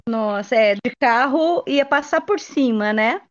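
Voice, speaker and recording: A woman's voice: on the high side, animated, measured pace, lo-fi sound. A woman interviewing children casually, with an exclamatory, encouraging manner.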